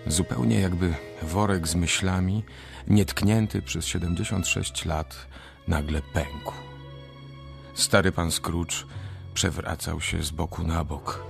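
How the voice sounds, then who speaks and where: Male narrator, very slow, creaky voice, literary radio storytelling, measured delivery. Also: deep voice, steady tone. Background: music.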